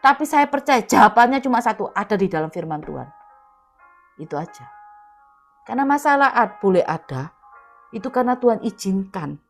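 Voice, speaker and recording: A woman's voice: mid-range voice, sing-song, a little fast, long pauses. Emphatic woman preaching over faint music. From Indonesia. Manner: emphatic, repeats key words, acts out quoted dialogue. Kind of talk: sermon. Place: online prayer meeting, remote.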